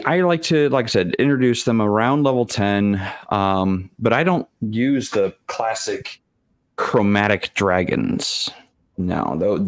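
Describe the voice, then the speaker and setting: A man speaks in a low voice at a very slow, deliberate pace. He sounds like a game master on a casual panel, dryly sarcastic, with a close sound free of room echo. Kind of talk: casual tabletop gaming discussion.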